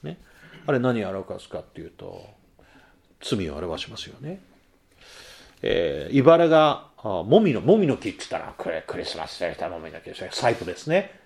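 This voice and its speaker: A man's voice: low-pitched, sing-song, normal speed, vocal fry, darkish tone, slightly rough. A male pastor giving a sermon in a conversational manner, asking the congregation questions and rising to emphatic bursts.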